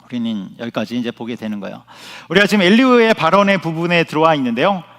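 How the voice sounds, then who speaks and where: Male pastor, slightly high voice, emphatic sermon delivery with repeated phrases, long church reverb. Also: very animated, quick pace, fairly bright tone. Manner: emphatic preaching, repeating key phrases, asking the congregation questions. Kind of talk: sermon at a Friday prayer meeting. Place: church sanctuary.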